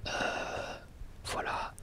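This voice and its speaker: A man whispering informally and a little hesitantly to his viewers as an ASMR host, in a breathy, unvoiced whisper. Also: very slow, sharp tone. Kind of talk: whispered ASMR, casual product review.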